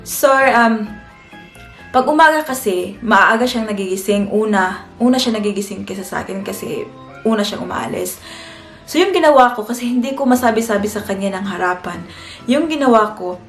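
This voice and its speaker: A woman's voice: mid-range voice, lively intonation, moderate pace. A young Filipina woman telling a personal story in a chatty vlog, often turning to her viewers. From Philippines. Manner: chatty, keeps addressing viewers as guys. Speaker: family vlogger. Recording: echoey room with faint music.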